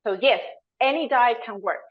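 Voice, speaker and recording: A Venezuelan woman in her thirties, a dietitian, is the guest in an interview, explaining things earnestly and occasionally hunting for the right word. She speaks at a moderate pace in a fairly high voice. The recording has its highs cut off.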